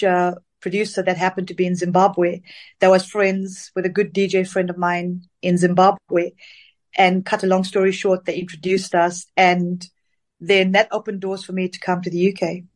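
A woman's voice: fairly low pitch, level tone, normal speed. Chatty woman singer from Zambia. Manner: chatty, rambling with fillers. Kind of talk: casual interview.

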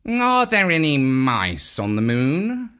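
A man's voice: on the high side, wildly swooping pitch, takes it slowly, a bit bright, full character voice. A man voicing a rude, cowardly pet cat in a children's story, with a purring, snide drawl.

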